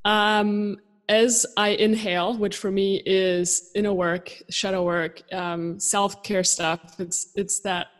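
A woman's voice: medium pitch, little pitch movement, slow pace, in a large hall. A woman from southern Germany in her thirties, a guest in a casual interview, speaking English with an easygoing, reflective manner and frequent laughter. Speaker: podcast guest. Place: home room, indoors. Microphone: video call with desk microphone.

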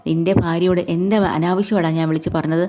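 A man's voice: a little high, fairly even intonation, fast, close to an everyday voice. A woman voicing an angry, domineering older father who scolds his son in a retold family story. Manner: scolding, shouting demands.

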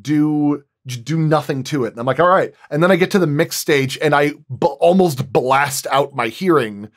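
Man chatting casually, halting delivery. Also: fairly high pitch. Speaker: sound designer on an audio drama, guest. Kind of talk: casual roundtable chat.

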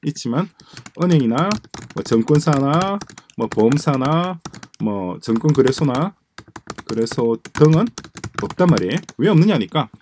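A man presents a coding project on automation in a screen-share lecture, musing aloud, repeating phrases, and trailing into mumbles as he types notes. His voice is medium-pitched, very animated, a little slow and a little mellow. Keyboard typing and slight background noise can be heard.

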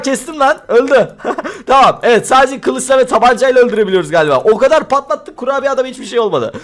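Lively high-pitched young man gaming. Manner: playful, frequent laughter, calls out to friends. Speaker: gaming video host. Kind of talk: excited gameplay commentary.

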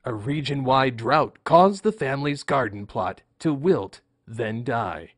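A man's voice: medium pitch, expressive, measured pace, dry recording, studio quality. A man playing a showy, genial game show host who narrates a storybook tale in a comic audio drama. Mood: storytelling.

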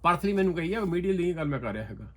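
Guy talking politics super fast, kinda high voice, gets worked up. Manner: talks fast, emphatic, often animated, drops low for asides. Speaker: interview guest. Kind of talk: political discussion.

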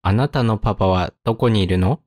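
A man teaching vocabulary, saying each word and example sentence twice, slowly and carefully, then giving its meaning. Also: lowish voice, darkish tone, dry recording, clean studio sound. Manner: slow, careful enunciation with repetition. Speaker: Japanese teacher.

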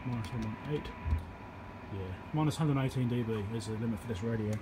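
This electronics repairer and video host has a medium-pitched voice and a brisk delivery, plainly narrating each step of a casual, hands-on repair as he goes. He's at an indoor workbench, recorded on a handheld camera or phone microphone, with heavy hiss and background noise throughout.

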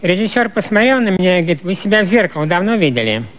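High-voiced man telling a comic monologue. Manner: deadpan storytelling with quick shifts into voiced characters. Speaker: stand-up comedian. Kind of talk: humorous monologue performed on stage. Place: stage before a live audience. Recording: loud crowd and noise of a live show. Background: laughing audience.

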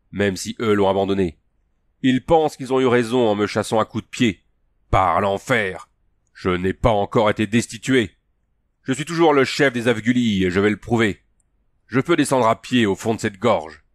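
Male reader doing a low, blunt barbarian chief; gruff, restless, defiant. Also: moderate pace, no room sound, lightly acted. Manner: blunt, growling oaths.

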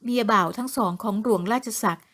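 A woman narrating an audio novel in a steady, even reading voice. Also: a little high, quick pace. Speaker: storyteller.

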